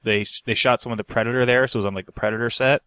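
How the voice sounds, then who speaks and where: Male co-host, middle pitch, casual rambling storyteller, slangy and sweary, dry mic sound. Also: steady tone, very fast, bright, forceful tone, no room sound. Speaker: podcast co-host. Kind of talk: casual anecdote-telling chat.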